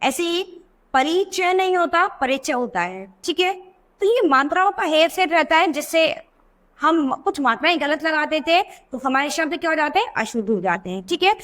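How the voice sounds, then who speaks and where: High-voiced woman teaching young children. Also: animated, normal speed, a bit bright. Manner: explains patiently, repeats each word and asks the class questions. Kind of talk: grammar lesson for young schoolchildren.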